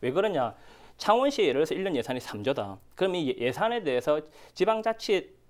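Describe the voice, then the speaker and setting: Against a quiet background, a man speaks at a fairly quick pace. His pitch swings very widely. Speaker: party spokesperson. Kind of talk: political talk show discussion. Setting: studio. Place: studio. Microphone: lapel.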